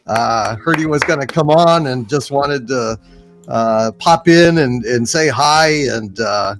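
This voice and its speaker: Male talk guest, medium pitch, informal, halting and rambling. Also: fairly bright tone, faint music behind. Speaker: guest, voice actor. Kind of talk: casual chat.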